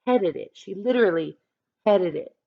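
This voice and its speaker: A woman's voice: medium pitch, expressive, moderate pace, vocal fry, no room sound, lo-fi sound. A woman teacher reading a picture book aloud expressively, adding instructive asides and questions for listeners.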